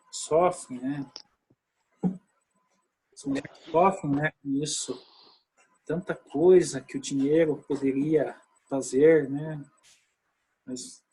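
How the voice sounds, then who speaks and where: A man lecturing on law to an online class, patient and explanatory. His voice sits a bit high and has a husky edge, and he keeps turning to his students with short questions. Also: darkish tone, rough recording. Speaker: law teacher.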